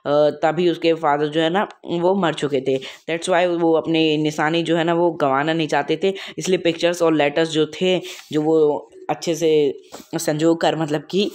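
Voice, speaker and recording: Male teacher, slightly high voice, slow and chatty, explains a lesson line by line with lots of fillers. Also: little pitch movement, darkish tone. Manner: reads English lines slowly, then explains them in Hindi; casual asides with many fillers. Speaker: English teacher. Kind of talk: explaining a textbook chapter.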